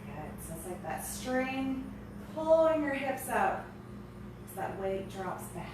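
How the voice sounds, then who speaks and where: A high-voiced woman leads exercise like an aerobics instructor, cueing form in an encouraging, peppy way at an unhurried pace. She breathes with effort as she coaches. The sound is very echoey, as in a bare room. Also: sing-song. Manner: encouraging, exclaiming, peppy workout cheerleading. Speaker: aerobics and strength instructor leading a home workout. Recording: echoey room, distant mic, noisy.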